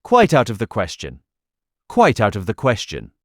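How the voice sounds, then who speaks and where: Stern, sensible country gentleman, decided and blunt, very animated pitch, dry close sound over music. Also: moderate pace, dry recording, exaggerated voice. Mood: agreeable. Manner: brusque, decided, authoritative. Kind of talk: audiobook period drama acting.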